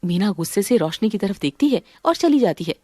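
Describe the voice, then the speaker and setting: A woman's voice: medium pitch, brisk, no echo, clean studio sound. A woman narrating a family drama and voicing its characters in a dramatic manner. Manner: dramatic, switches between calm narration and quarrelsome voices. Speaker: narrator and voice of several women. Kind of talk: Hindi family-drama storytelling with voiced parts.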